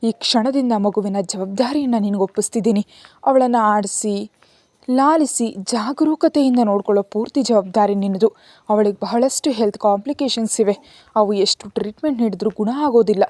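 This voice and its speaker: A woman's voice: mid-range voice, moderate pace, darkish tone, no room sound, natural voice. A woman voicing a stern, wealthy young father who is guarded and commanding, speaking in curt orders. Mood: pleading.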